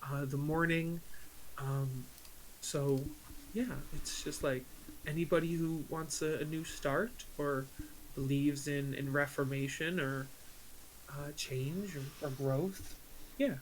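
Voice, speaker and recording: A woman acting as game master, narrating a tabletop game casually in a hesitant, halting way. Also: deep voice, steady tone, poor audio. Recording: clear background hiss and noise.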